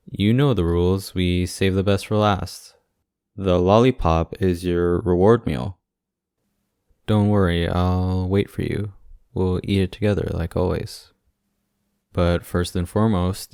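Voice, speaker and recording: Casting: male actor as doting young boyfriend for ASMR roleplay, low smooth voice, gently teasing. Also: no echo, clean studio sound. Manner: teasing, sweet, gently joking. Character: affectionate, playful young boyfriend visiting hospitalised partner.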